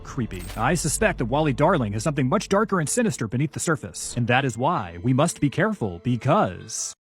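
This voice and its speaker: A man reading scripted mystery narration with dramatic, ominous pauses. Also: mid-range voice, sing-song, faint music behind. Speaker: explainer video narrator.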